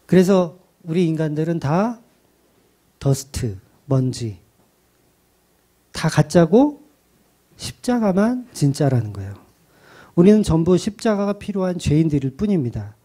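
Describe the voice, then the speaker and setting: A male pastor giving a sermon, retelling a film in an animated, conversational way. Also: fairly high pitch, unhurried, pauses often.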